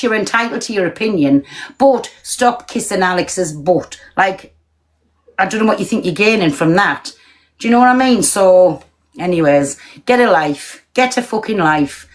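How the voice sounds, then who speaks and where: A woman's voice: medium pitch, poor audio. Woman, British accent, blunt, sweary, live-stream rant. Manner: blunt, sweary, fast-talking and confrontational. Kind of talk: ranting live stream chat.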